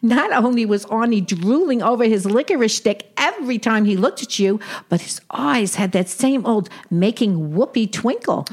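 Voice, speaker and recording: Woman voicing a wry older sister, sarcastic, bright high voice, lively. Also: moderate pace, hardly any pauses. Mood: wry teasing. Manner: sarcastic, teasing. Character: wisecracking older Brooklyn woman, teasing sister. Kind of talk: comic audio drama.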